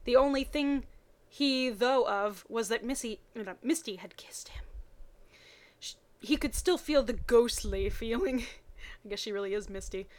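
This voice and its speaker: Expressive, higher-voiced woman reading with sardonic asides. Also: measured pace. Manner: expressive reading broken by muttered, sardonic commentary. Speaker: reader of fan fiction. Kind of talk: mocking dramatic reading of badly written fan fiction with dry asides.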